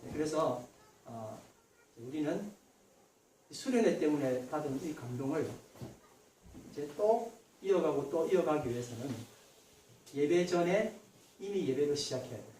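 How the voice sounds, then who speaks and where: A male pastor preaches a Sunday sermon in a church sanctuary, chatting with his congregation and quizzing them directly. His voice sits a touch high and carries a roomy echo. He stands somewhat back from the mic, over a faint hiss. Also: lively intonation, unhurried, long pauses, dark tone, far from the mic. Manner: conversational preaching, asks the congregation questions directly.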